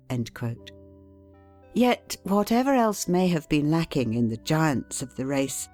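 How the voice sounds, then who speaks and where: Low-voiced woman reading an audiobook. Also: a little mellow. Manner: measured, deliberate reading with emphatic pauses. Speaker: audiobook narrator. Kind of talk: scripted narration of a classic self-help book.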